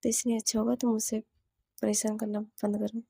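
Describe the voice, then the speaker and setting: A woman's voice: fairly high pitch, flat delivery, brisk, creaky, warm tone, slightly rough, no echo, studio quality. A woman voicing a pushy young male college student who stammers and keeps pressing a girl to talk to him. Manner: stammering, insistent.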